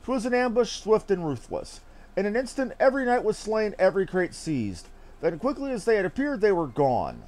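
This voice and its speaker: Eloquent, wry game adventurer, voiced by a male streamer, theatrical archaic diction, highish pitch, very lively intonation. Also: moderate pace. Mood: grave. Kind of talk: reading game dialogue aloud in character.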